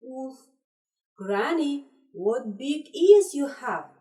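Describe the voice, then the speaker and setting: A woman English teacher giving a lesson to young children, encouraging and repeating instructions slowly. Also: high-pitched, animated, dark tone. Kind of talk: classroom lesson for young pupils. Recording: roomy echo, distant mic.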